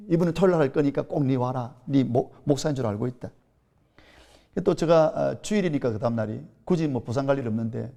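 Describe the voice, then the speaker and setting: Gravelly Gyeongsang-accented Korean pastor preaching. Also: male voice, mid-range voice, mellow. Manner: earnest, storytelling, rising to emphatic peaks. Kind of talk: sermon.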